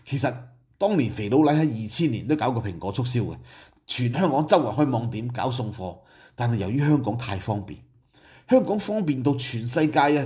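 Mellow-voiced Hong Kong Cantonese man. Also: mid-range voice. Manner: conversational, explains business figures with asides and rhetorical questions. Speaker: political commentary host. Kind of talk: casual commentary.

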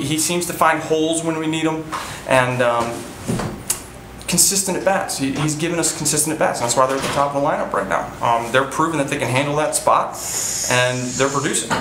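Standing before a sponsor backdrop in an indoor press room, a man in his thirties who manages a baseball team answers post-game questions. His voice is a little high, and he comes across as earnest, repeating himself and leaning on fillers and restarts. The sound is reverberant, with background noise.

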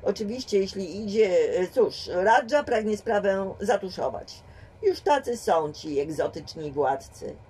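A woman voicing a gruff middle-aged man posing as a police inspector, with a curt, dry, officious manner. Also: medium pitch, animated, measured pace, mellow. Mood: smooth. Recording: distant home mic.

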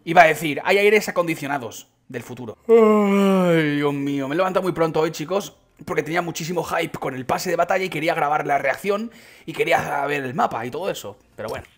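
A young man from Spain with a Spanish accent, giving excited gameplay commentary with frequent exclamations. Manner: excitable, exclaiming, quick shifts in pitch. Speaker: gaming YouTuber.

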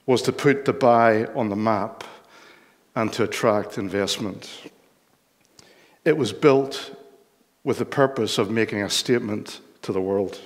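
Older male preacher, Northern Irish accent, explanatory sermon delivery, recorded in a hall with long reverb. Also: medium pitch. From Northern Ireland. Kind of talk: sermon with Bible reading. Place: church hall, speaking from lectern on stage.

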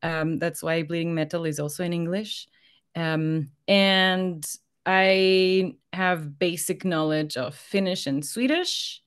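Lowish-voiced woman, native Spanish speaker. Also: slow, clear, resonant tone. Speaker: podcast guest. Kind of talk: casual interview conversation. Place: small room at home, video call. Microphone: studio condenser mic on boom arm, headphones.

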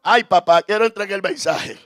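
A man preaching a fervent Pentecostal sermon, his voice rising to shouts of praise. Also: sits high, a little fast, no echo, studio quality. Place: church service.

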